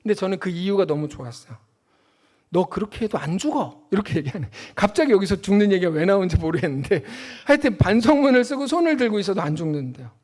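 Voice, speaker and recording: A male pastor in his forties delivers a sermon in a bright, high-set voice. His pitch leaps and falls expressively as he tells stories. He moves from forceful emphasis to hushed asides, slipping into the voices of family members along the way. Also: racing, hardly any pauses. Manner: animated preaching with swings from loud emphasis to quiet asides; acts out family dialogue in storytelling.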